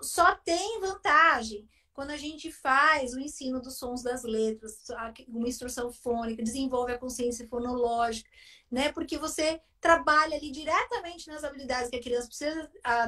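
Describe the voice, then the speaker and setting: A Brazilian woman with a high voice explains phonics in a live video chat. She talks in an explanatory way and keeps tagging her sentences with "né?". She sounds a little far from the microphone. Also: normal speed, pushed and bright. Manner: explanatory, with frequent "né?" tags. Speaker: literacy specialist.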